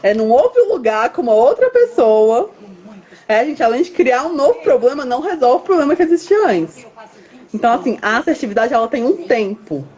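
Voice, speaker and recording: A woman's voice: high-pitched, very animated, a little fast, a little mellow, muffled recording. A woman hosting a casual online conversation, explaining at length with everyday examples. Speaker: host. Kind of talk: casual chat.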